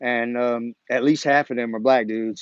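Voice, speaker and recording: The speaker is a man with an American accent. The sound is dry and close, with no echo. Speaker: livestreamer. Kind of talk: casual livestream chat.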